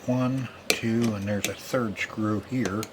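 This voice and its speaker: A man's voice: lowish voice, steady tone, slow pace, very noisy. A man narrating a hands-on repair casually, muttering to himself in a folksy way as he works. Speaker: repair video host.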